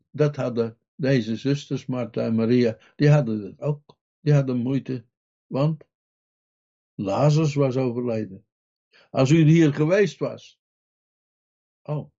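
A man's voice: mid-range voice, mellow, dull audio. A man preaching a sermon earnestly, putting direct questions to his listeners.

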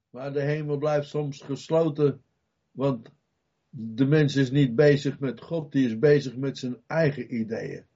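High-voiced, slow emphatic male preacher. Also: dull audio. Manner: emphatic, repeats key phrases, acts out Bible scenes with loud cries; addresses listeners directly with questions. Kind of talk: sermon.

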